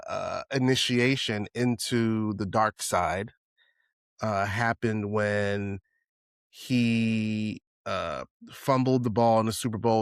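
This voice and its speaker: A podcast co-host with a lowish voice chats casually, rambling through his thoughts with many restarts and frequent "right?" check-ins. The recording is studio quality with no room sound.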